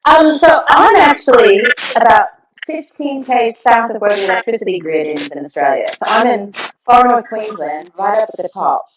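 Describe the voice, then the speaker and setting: A middle-aged woman from the American Midwest, a guest telling her story in a warm, reflective way over a video call. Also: a little high, lively intonation, moderate pace. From Kansas, American Midwest. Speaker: guest, balm founder. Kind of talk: casual video interview. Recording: echoey room, distant mic, background noise.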